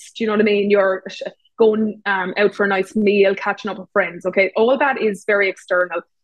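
A woman with an Irish accent talks at medium pitch with fairly even intonation. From Ireland. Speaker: bookkeeper and business owner. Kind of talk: casual chat.

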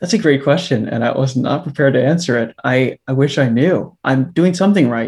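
Somewhat breathy, a man speaks at a fairly quick pace with hardly any pauses. His pitch is fairly high, with ordinary pitch variation. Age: 30s. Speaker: dietitian. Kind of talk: casual interview.

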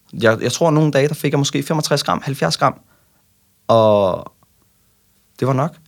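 A man talks with ordinary pitch variation. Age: 20s. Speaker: bodybuilder and personal trainer. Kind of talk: interview. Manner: halting.

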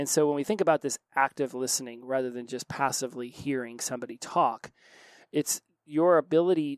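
The sound is dry and close with no echo, as a man with a fairly high pitch speaks on a very clean recording with a silent background. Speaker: podcast host and college speaker. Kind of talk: solo podcast monologue. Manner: fast talker.

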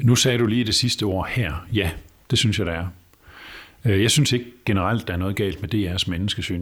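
This man talks at a moderate pace, his voice somewhat breathy and his pitch varying in an ordinary way. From Southern Schleswig, Germany (Danish minority). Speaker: secretary general of a church media organisation. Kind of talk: casual chat.

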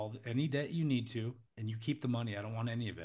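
Speaking at a fairly quick pace with an American accent, a man uses a medium pitch, ordinary pitch variation and a somewhat breathy tone. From United States. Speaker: English teacher. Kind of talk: casual chat.

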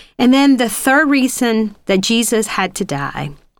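A woman speaks at a fairly high pitch, her voice making very wide pitch swings. The recording is very clean, with a silent background. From Cuba, Havana. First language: Spanish. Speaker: Salvation Army officer, preacher. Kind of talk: scripted sermon-style teaching.

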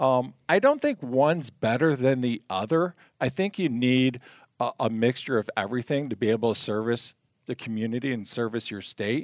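A man with an American accent has an ordinary speaking voice at a medium pitch, with ordinary pitch variation at a moderate pace. The sound is dry and close with no echo, on a very clean recording with a silent background. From Michigan. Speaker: state wildlife agency staffer. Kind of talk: casual interview conversation.

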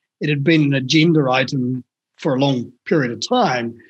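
Using fairly even intonation, a man with an ordinary speaking voice talks at a fairly high pitch. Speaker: co-host, chief operating officer. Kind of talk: casual interview discussion. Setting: video call.

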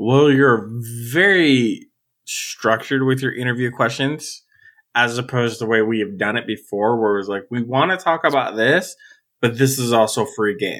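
This man has a plain, everyday voice at medium pitch with ordinary pitch variation, captured in a very clean recording against a silent background. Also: moderate pace. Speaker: podcast co-host. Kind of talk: casual chat.

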